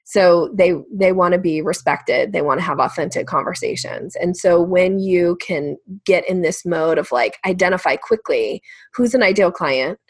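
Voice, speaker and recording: A woman's voice: on the low side, moderate pace, hardly any pauses, dry recording. A woman sales coach explaining her method as a podcast guest, conversational and emphatic.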